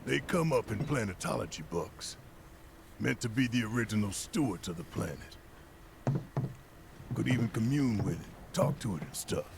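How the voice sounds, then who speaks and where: An actor playing a gruff, fiery but big-hearted rebel leader and worried father in a video game. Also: on the low side, animated, normal speed, pauses often. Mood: gruff, urgent. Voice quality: gruff, gravelly. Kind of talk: dramatic video game voice acting. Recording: game audio with clear background noise.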